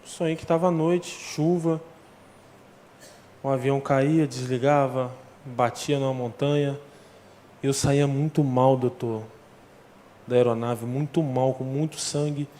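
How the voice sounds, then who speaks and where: A man with a Brazilian Portuguese accent giving a personal testimony in church, telling his story in short, halting phrases while his voice sinks soft and low. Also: steady tone, big-room sound, slight background noise. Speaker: testimony speaker.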